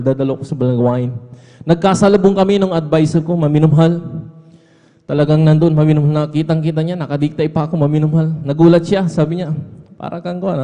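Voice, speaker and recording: A man's voice: fairly high pitch, warm tone. A man giving an earnest church testimony, constantly repeating a fond address to the congregation, from a church pulpit. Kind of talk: testimony at a prayer service. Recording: echoey hall with long reverb.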